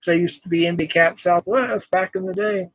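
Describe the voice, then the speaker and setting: A man's voice: high voice, fairly quick, gravelly, no echo, poor audio. A man in his forties hosting a casual livestream, rambling, laughing often and greeting chat viewers by name. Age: 40s. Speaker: livestream host.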